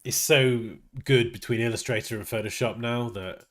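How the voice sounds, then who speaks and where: A man runs a live design tutorial, speaking at a normal speed in a mid-range voice with fairly even intonation. He's chatty and thinks aloud as he works, though a blocked nose makes him sound nasal and sniffly.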